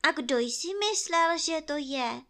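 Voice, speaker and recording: A woman voicing a naive, greedy bear cub with a high, squeaky, plaintive voice in a storybook reading. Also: pushed and bright. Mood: eager.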